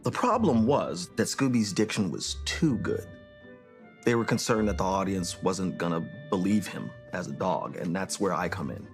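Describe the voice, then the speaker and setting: Low-voiced vocal coach. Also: male voice, lively intonation, normal speed, soft background music. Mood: self-important. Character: self-important male vocal coach recalling his work. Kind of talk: mock-documentary interview.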